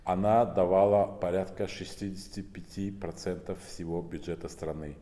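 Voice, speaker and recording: A man with a notably low, mellow voice and a Central Asian Tajik accent. He talks informally as an interviewee, explaining haltingly with frequent fillers and repeats. Long reverb hangs around his words. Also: little pitch movement. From northern Tajikistan. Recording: roomy hall with long reverb.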